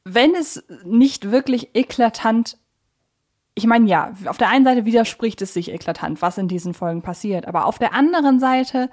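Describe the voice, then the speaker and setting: A woman's voice: fairly high pitch, normal speed, darkish tone. A woman hosting a casual podcast discussion, chatty and rambling, often correcting herself mid-thought. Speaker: podcast host. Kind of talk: casual podcast discussion of an audio drama series.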